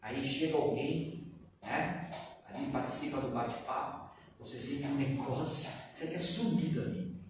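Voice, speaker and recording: A man with a Brazilian Portuguese accent giving a lively spiritist lecture to a live audience, asking them questions and chuckling often. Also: mid-range voice, measured pace. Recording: echoey room, far from the mic, background noise.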